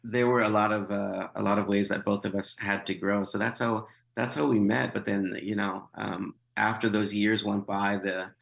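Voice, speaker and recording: A man's voice: fairly low pitch, little pitch movement, normal speed, creaky, hardly any pauses, a bit bright, low-quality recording. A man in his thirties, a missionary guest in an interview, telling his story with wry humor, many fillers and restarts. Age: 30s. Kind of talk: conversational interview.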